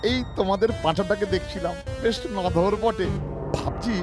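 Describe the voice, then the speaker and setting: A man's voice: high voice, normal speed. An actor playing a greedy, scheming village man in a cartoon, with a gloating drawl. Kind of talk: cartoon character acting. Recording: music bed behind the voice.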